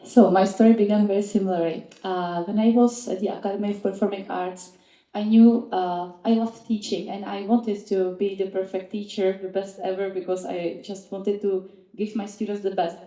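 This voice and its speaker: Czech woman panelist, mellow tone, eager, echoey room. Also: medium pitch, fairly even intonation, moderate pace. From Czech Republic. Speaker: piano teacher, panelist. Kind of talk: panel talk.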